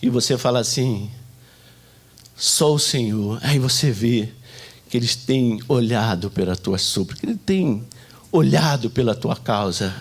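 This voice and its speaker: A Brazilian man preaching a Sunday sermon, telling stories and acting out shouts and prayers as he goes. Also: mid-range voice, measured pace, husky. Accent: Brazilian Portuguese. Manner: animated storytelling, acting out shouts and quoted prayers. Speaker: pastor.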